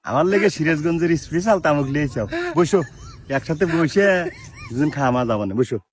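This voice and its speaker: A man playing a gruff, hot-tempered old village uncle in a comedy skit. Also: a little high, animated, brisk, slight background noise, lightly acted. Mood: friendly. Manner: gruff, threatening. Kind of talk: comic skit dialogue.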